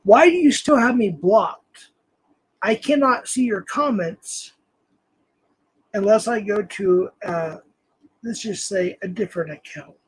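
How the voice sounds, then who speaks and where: A hoarse man with a fairly high, husky voice hosts a casual livestream from home. He rambles loosely, filling gaps with ums while he answers the chat. His voice is worn and scratchy, as if he is coming down with a cold. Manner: rambling, reads chat aloud, frequent ums. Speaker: livestream host.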